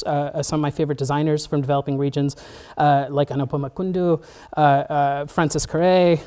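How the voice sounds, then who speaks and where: A man in his thirties giving an academic design lecture, earnest and halting, with frequent restarts and fillers. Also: a little high, darkish tone. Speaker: architecture lecturer.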